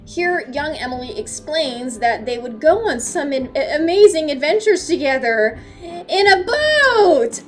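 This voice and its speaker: Playful, high-voiced woman commentator over music. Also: sing-song, a little slow. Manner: playful, sarcastic, slangy, with mock-dramatic asides. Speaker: host of an analog horror analysis video. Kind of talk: casual, joking video-essay commentary over clips. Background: background music.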